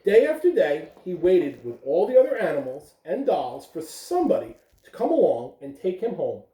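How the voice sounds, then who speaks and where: A woman giving school morning announcements and reading a picture book aloud to young listeners, in a gentle storytelling way. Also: lowish voice, very animated, normal speed, reverberant, distant mic, rough recording. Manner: gentle storytelling, coaxing a child to look.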